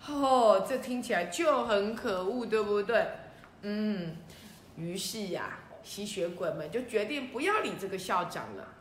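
A woman narrating a children's story in an animated, gentle way, talking directly to the young listeners. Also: medium pitch, unhurried. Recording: roomy echo, faint room noise.

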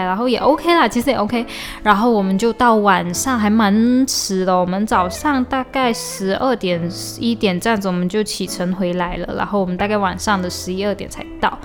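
A young woman from Malaysia, telling stories in a chatty, casual podcast diary, often restarting and mixing in English. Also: medium pitch. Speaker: podcast host. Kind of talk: casual diary-style storytelling. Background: faint lo-fi beat.

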